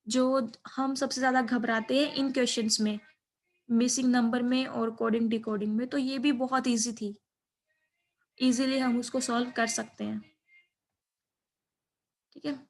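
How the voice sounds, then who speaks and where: High, even-toned young woman explaining. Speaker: exam-prep video teacher. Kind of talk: informal explainer of an exam paper.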